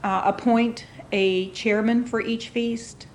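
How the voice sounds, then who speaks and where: Woman explaining over faint rumbling noise. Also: fairly even intonation, takes it slowly. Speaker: interviewee. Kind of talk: explanatory interview talk.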